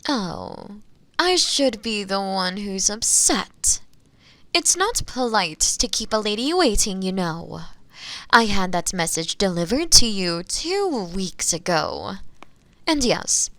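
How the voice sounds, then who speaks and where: A woman's voice: medium pitch, fairly bright tone, dry recording. A woman voicing a sly, seductive witch captor in a roleplay audio drama, teasing and condescendingly sweet, often slipping into whispers. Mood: mildly scolding. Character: sly, seductive female witch captor, possessive and self-assured.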